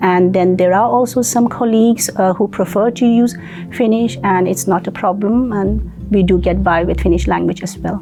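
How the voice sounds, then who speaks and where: Moderately paced speech from a woman over background music. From India. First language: Chinese dialect. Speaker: university English lecturer. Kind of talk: interview. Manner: hesitant, many fillers.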